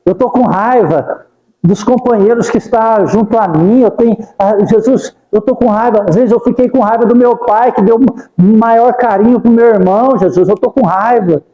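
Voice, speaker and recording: A man with a high, mellow voice gives a devotional talk. He speaks in fervent, pleading prayers and keeps repeating the name of Jesus. His voice rings through a roomy hall with a long reverb. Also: moderate pace, highs cut off. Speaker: spiritist lecturer. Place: spiritist center hall.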